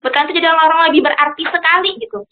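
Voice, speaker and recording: A woman's voice: extremely high pitch, very fast, a little hiss or hum. A young woman giving a chatty religious talk, telling a personal story with many fillers and the odd English phrase. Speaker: speaker. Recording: tinny phone-line audio.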